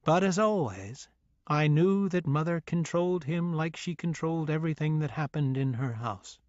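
A man narrating a memoir audiobook in a measured, sombre first-person reading. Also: fairly high pitch, no room sound, dull audio.

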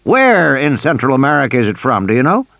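A man's voice: mid-range voice, big pitch swings, brisk, vocal fry, a bit bright, no room sound. A man voicing a cheery, insistent old male tycoon who coaxes and presses on the phone. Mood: wary. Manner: insistent, persuasive, coaxing.

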